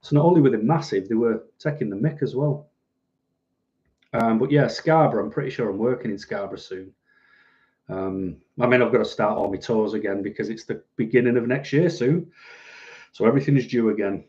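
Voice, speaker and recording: A livestream host from Manchester in northern England, with a softened Mancunian accent, chats casually with his viewers, reading out and answering their comments. He rambles along in a dry, sardonic way, with a mid-range voice and a brisk pace. The highs in the audio are cut off.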